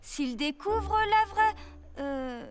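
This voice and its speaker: A dreamy cartoon girl, sings in a very high voice. Her phrases are extremely slow and drawn out. Loud music accompanies her. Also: animated, heavily acted. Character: dreamy cartoon girl singing as she writes a song. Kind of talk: slow singing in a French cartoon.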